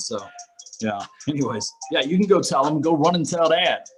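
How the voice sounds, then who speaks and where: A man's fairly high voice is heard with music in the background. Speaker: podcast host. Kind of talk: casual show talk.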